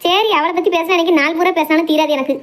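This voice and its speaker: A woman's voice: very high-pitched, steady tone, fast, fairly bright tone. A woman acting out a family skit in a complaining, gossipy manner.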